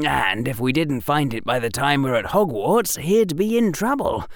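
A man doing a calm, clever young boy. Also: medium pitch, normal speed, no room sound, studio quality, voice pushed up, natural voice. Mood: calm reasoning. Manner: reasoning, matter-of-fact. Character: clever calm eleven-year-old boy.

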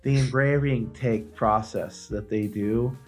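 A man's voice: mid-range voice, fairly even intonation, slow, faint music behind. A man co-hosting a podcast, chatting casually and telling anecdotes with some swearing. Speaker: podcast co-host.

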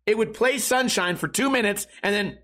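A hoarse man hosts a livestreamed podcast, his voice sitting high for a man. He rambles loosely and swears freely in easygoing chat. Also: normal speed, sharp tone, a little hiss or hum. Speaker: podcast and stream host.

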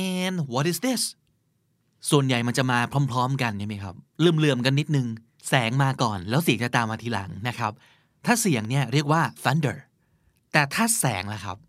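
A man hosting a vocabulary lesson podcast, asking quiz questions in a chatty way and repeating each English word slowly and clearly. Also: mid-range voice, fairly bright tone, dry recording, studio quality. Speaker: host.

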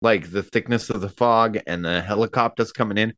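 A man's voice: on the low side, brisk, a bit bright, dry recording. A man playing a tabletop role-playing game, talking casually in character.

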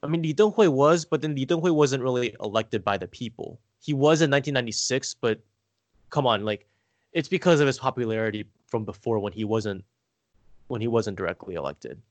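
A man's voice: medium pitch, a little fast, no room sound. Rambling man, dry close sound. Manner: rambling, hesitant, frequent filler "like". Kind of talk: casual conversation.

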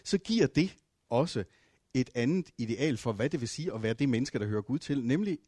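A man preaching a sermon, telling stories with dramatic swings between loud and hushed passages. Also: mid-range voice, lively intonation, breathy edge, no echo, clean studio sound. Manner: storytelling with fillers and restarts.

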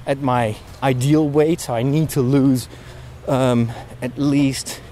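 A man with a sore throat thinking aloud about his fatigue as he walks outdoors in a park, speaking haltingly with many restarts. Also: medium pitch, steady tone, mellow, a little hiss or hum. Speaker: podcast host. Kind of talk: casual spoken reflection, walking outdoors. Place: outdoors in a park near road works.

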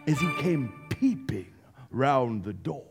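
A man playing a storybook narrator in a staged radio play, telling the tale in an expressive, drawn-out, dramatic way. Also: mid-range voice. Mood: wondrous. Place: theater stage. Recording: live stage recording with music underneath.

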